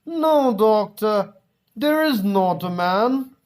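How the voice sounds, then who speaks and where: A man voicing a worried young woman painter in a story, gentle and earnest, answering plainly. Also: high-pitched, lively intonation, takes it slowly, pitched above the performer's own voice.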